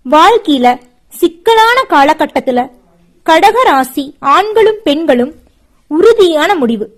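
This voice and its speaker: A high-pitched woman presents a horoscope talk to her viewers. She sounds gentle and reassuring and works through her points one by one. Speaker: astrology presenter.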